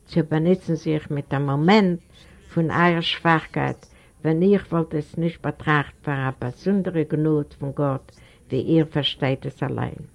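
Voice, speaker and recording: A woman's voice: low-pitched, measured pace, creaky, highs cut off. A woman voicing an anxious, pleading old man in an audiobook reading. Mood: stern. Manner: humble, imploring, formal address.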